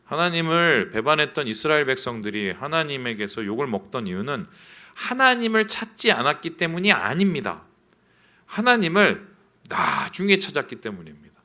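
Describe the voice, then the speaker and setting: A man's voice: fairly high pitch, sing-song, moderate pace, pushed and bright. A man, a pastor, preaching a sermon in a church, asking his congregation questions and acting out complaints. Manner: acts out quoted complaints in a raised voice. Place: church sanctuary.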